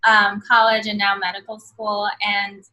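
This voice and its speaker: Bright-voiced young woman, earnest guest. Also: medium pitch, monotone, a little slow, low-quality recording. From born in Bangladesh, raised in New York City. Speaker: medical student guest. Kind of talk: casual interview answers.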